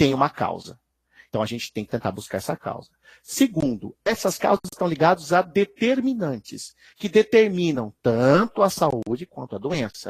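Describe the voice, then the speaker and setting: A man speaks at a moderate pace in a fairly high pitch, his voice swinging very widely in pitch over a dry, close sound with no echo and a very clean recording with a silent background. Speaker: health surveillance manager. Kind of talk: lecture. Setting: web conference.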